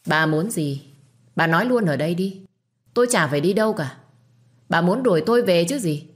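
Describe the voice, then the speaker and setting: A woman voicing a scheming, bitter young wife who answers back with sharp, cutting retorts. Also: on the low side, animated, a little fast, close to an everyday voice. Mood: bitter defiant.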